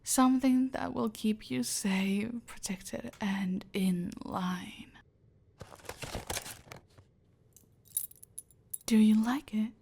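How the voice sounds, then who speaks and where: A woman playing a whispering, gravelly cartel queen. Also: medium pitch, steady tone, warm tone, exaggerated voice. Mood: silky, menacing. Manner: slow, deliberate, often whispered commands. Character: domineering female cartel boss, cold and controlling. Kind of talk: ASMR roleplay.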